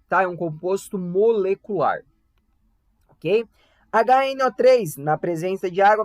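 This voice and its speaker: A man's voice: high voice, dry recording. Young brazilian guy teaching online, chatty and playful, dry close mic sound. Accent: Brazilian Portuguese. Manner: chatty, frequent tag questions, playful asides. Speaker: volunteer chemistry tutor. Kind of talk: casual online class.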